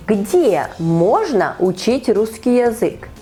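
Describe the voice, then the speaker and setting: A woman hosting an online conversation as a Russian teacher, asking a learner measured, encouraging questions. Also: a little high, big pitch swings, dark tone, soft background music. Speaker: Russian teacher and podcast host. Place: online call.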